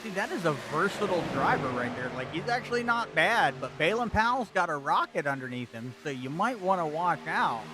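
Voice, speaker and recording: A man's voice: on the high side, expressive, a little fast, hardly any pauses, background noise. A man doing casual color commentary for an online truck race, chatty and often stammering as he starts a sentence. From United States.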